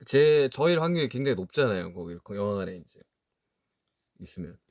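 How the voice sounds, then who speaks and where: A man around thirty chatting casually to viewers on a livestream, musing aloud and trailing off with soft laughs. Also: lowish voice, big pitch swings, brisk, dry recording, clean studio sound. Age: 30s. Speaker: livestream host reading chat.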